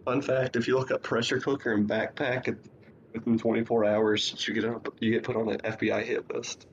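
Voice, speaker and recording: A man's voice: mid-range voice, little pitch movement, brisk, highs cut off, slight background noise. A man chatting playfully in a tabletop game stream. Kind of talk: casual chat.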